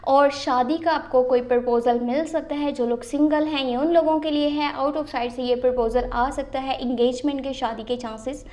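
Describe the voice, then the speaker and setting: A woman's voice: high voice, steady tone, moderate pace, few pauses, dark tone. A woman with a slightly sore throat, giving a tarot reading to viewers and mixing in English phrases. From Pakistan. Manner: mixes English phrases into her talk. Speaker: tarot reader and channel host.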